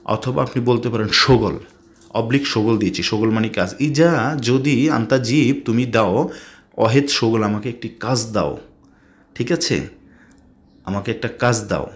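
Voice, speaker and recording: A man with a Bangladeshi accent teaching basic spoken Arabic, repeating each word slowly and mixing in English phrases. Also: mid-range voice. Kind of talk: spoken language lesson.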